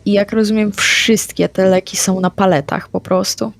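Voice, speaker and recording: A woman playing a tabletop vampire game, declaring her character's actions in a quick, plain manner. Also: medium pitch, fairly even intonation, creaky. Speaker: player.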